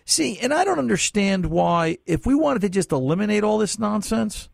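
Gravelly folksy radio car show host man. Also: sits high, sing-song, moderate pace, no room sound, clean studio sound. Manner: folksy, chatty, opinionated. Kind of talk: call-in radio chat. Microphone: studio mic.

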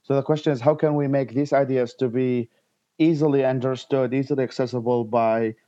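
A man from Iraq, in his thirties, answering interview questions in halting speech with frequent restarts and fillers. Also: mid-range voice, steady tone, mellow, no echo, highs cut off. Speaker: guest, nonprofit founder.

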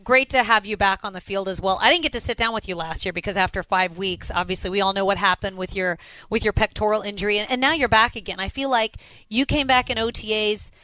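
A sports podcast host with an upbeat, chatty delivery, introducing guests and interviewing a player. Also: male voice, high-pitched, quick pace, bright, forceful tone, clean tone, no room sound, poor audio. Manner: upbeat, chatty, reads sponsor spots. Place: stadium.

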